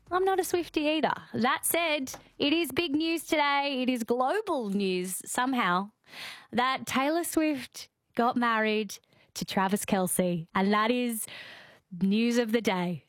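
A woman with an Australian accent presenting live radio from a studio in a bright, chatty manner. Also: fairly high pitch, no room sound. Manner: bright, chatty, laughs easily. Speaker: radio host. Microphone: studio microphone.

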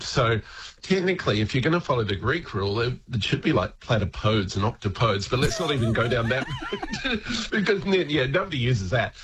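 A man's voice: medium pitch, fairly bright tone, slight background noise, poor audio. A man, a regular word expert on a radio show, chatting casually with lots of ums, restarts and laughs. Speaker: regular language guest on radio.

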